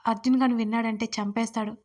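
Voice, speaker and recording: A woman's voice: on the high side, level tone, quick pace, darkish tone, natural voice. A woman voicing an anxious, cautious young man warning his friend in an audio story.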